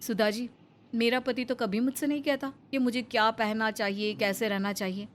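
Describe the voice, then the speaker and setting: A confident modern young woman in a cartoon, voiced by a woman, fairly high-pitched and breezy. She lectures with easy assurance. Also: fairly even intonation, moderate pace, a little hiss or hum, natural voice. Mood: lecturing.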